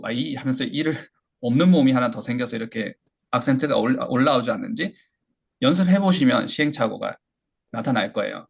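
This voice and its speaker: A man teaching English pronunciation in a lecture, explaining step by step and modeling phrases slowly for learners to repeat. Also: mid-range voice, vocal fry. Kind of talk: online lecture.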